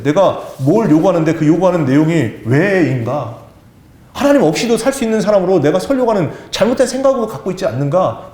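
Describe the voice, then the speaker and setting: A man's voice: a little high, roomy sound. A man preaching a sermon as pastor to church leaders, acting out quoted speakers as he goes. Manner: lively, voices quoted speakers in his own tone.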